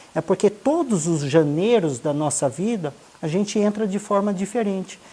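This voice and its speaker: Lively intonation marks this man's high-pitched voice as he talks at a moderate pace. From Brazil, countryside. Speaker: entrepreneur and speaker. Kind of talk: interview.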